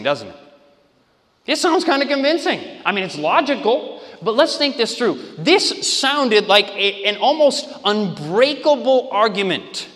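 High-voiced preacher in a reverberant hall. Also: male voice. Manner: animated, questions the audience directly. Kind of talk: sermon to a live audience. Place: large hall with an audience.

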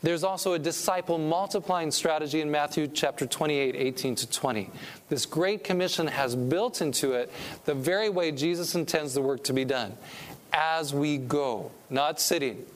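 A man's voice: on the high side, normal speed, a little hiss or hum. A middle-aged man from California giving an earnest, preacherly talk to a church audience as a pastor and missionary speaker. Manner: earnest, preacherly, rising with emphasis on key points.

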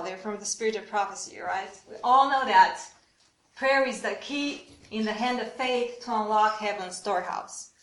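A woman's voice: fairly high pitch, a bit bright, a little hiss or hum. A woman from Romania, leading a church workshop on prayer and drawing the audience in with questions. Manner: engaging, asks the audience questions. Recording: echoey room.

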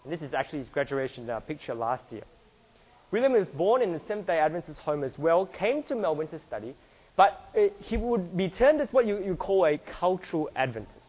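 A man's voice: fairly high pitch, big pitch swings, brisk, dull audio. Earnest man giving a church talk. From Singapore. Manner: earnest, many restarts and fillers. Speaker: church speaker. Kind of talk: church presentation with slides.

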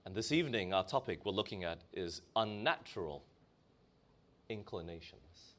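A man's voice: deep voice, expressive, moderate pace, fairly bright tone. A male preacher with a Malaysian accent, delivering a sermon and asking his congregation questions as he stresses key words.

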